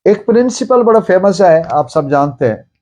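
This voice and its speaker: A man with a Pakistani accent giving a formal law lecture, deliberate and emphatic, restating points as he reads out and explains. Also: sits high, animated, a little mellow. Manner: deliberate, emphatic, repeating points in Urdu and English. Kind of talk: formal lecture, reading out and explaining legal text.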